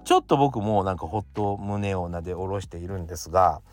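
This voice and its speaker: A man's voice: deep voice, fairly quick. A man from the area, hosting a casual solo talk podcast, chatty, full of fillers and little chuckles. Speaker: podcast host.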